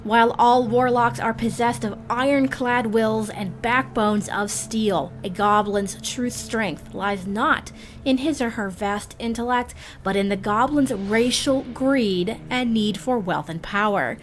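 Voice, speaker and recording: A woman hosting a guide series, reading scripted narration in a measured, theatrical manner with formal phrasing. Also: fairly high pitch, soft background music. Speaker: host of a roleplay guide series.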